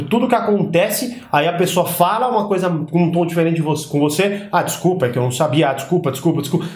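Man coaching on persuasion, high voice, informal slangy talk, echoey room. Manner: animated, acts out dialogue in quotes; informal slang-heavy delivery. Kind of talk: casual advice monologue.

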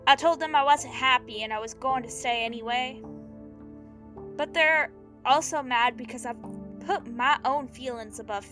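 A woman acting a guilt-ridden, blunt young runaway with powers in a naturalistic audio drama, talking in a halting, slangy, confessional way. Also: a little high, a bit bright. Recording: music behind the dialogue. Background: music.

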